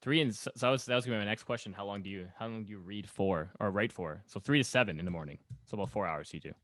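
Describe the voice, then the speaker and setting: A man's voice: on the low side, rapid-fire, fairly bright tone, no room sound. A man co-hosting a podcast, asking questions in a rambling, informal, conversational way. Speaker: podcast co-host interviewer. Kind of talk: casual conversational interview.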